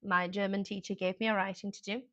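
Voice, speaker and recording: Woman, teacher, casual live-stream lesson, conversational and mid-pitched. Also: flat delivery, quick pace, fairly bright tone, highs cut off. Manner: chatty, informal, with frequent fillers and asides. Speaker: English exam teacher.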